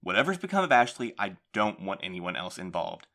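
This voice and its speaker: A man's voice: low voice, big pitch swings, fairly bright tone. A man playing a guarded, defensive postmaster. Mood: weary. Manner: measured, placating, defensive. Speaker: postmaster in an audio drama.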